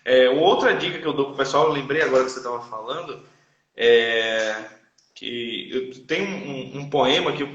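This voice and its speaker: A man's voice: mid-range voice, moderate pace, a bit bright, highs cut off. Brazilian male teacher, easy explainer, roomy recording. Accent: Brazilian Portuguese. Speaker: guest, teacher. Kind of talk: casual chat. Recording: roomy echo.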